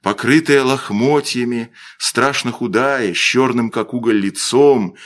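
A man reading a classic story aloud in slow, expressive literary narration. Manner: slow, expressive reading with wide pitch movement.

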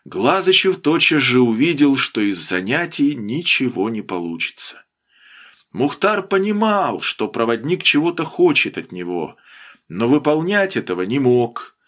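Male audiobook narrator, measured, expressive pitch. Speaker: audiobook reader. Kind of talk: scripted narration.

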